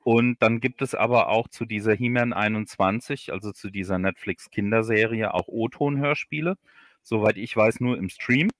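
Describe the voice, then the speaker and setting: A man speaking as an author guest in a casual interview, explaining things haltingly and repeating words as he goes. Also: fairly low pitch, no echo, clean studio sound. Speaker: guest, audio drama author.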